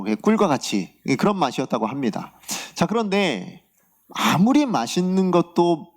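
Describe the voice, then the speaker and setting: A man preaching a Sunday sermon as pastor, in a conversational way, often asking the congregation rhetorical questions. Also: medium pitch.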